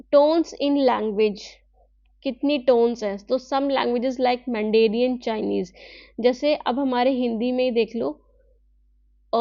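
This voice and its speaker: Female online teacher, high voice, dry and dull lo-fi audio, patient explainer. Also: creaky, no echo. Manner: explains slowly, reads English lines then explains in Hindi; asks rhetorical questions, tag "है ना". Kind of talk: online class lecture.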